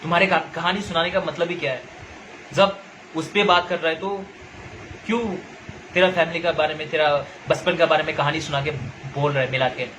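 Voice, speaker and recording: A young man from Nagaland, India, rants angrily straight at the camera as a social media commentator, lecturing and repeating his points in a confrontational way. His voice is on the high side and a bit bright, with fairly even intonation and a brisk pace. The recording is low quality, with slight background noise.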